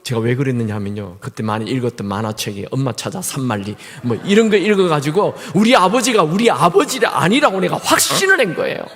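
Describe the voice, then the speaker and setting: A middle-aged man preaches in a church with a lively, swinging delivery, his voice sitting a little high for a man. He tells funny stories from his life between points. A long reverb from the sanctuary trails his words. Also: a little fast, few pauses. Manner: animated, humorous storytelling. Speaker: guest pastor. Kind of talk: sermon with storytelling.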